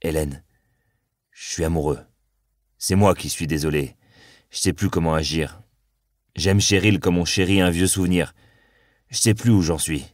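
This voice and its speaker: A man reading the lines of a weary policeman in love, quiet and resolute, in an audiobook. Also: deep voice, moderate pace, long pauses, no echo, studio quality, close to an everyday voice. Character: weary male cop torn between two women.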